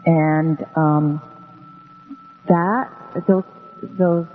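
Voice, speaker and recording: Through tinny, phone-like radio sound with long reverb, slight background noise and faint music, a guest storyteller from Hawaii, a native Hawaiian speaker, wanders through her tale at an easy pace with plenty of ums. She speaks low, with fairly even intonation, in a relaxed radio interview.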